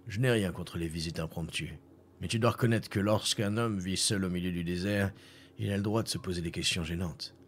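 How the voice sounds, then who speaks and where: A man reading the part of an old hermit living alone in the desert, in a gentle, measured manner. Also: low voice, steady tone, slight background noise, pitched below the performer's own voice, natural voice. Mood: calm.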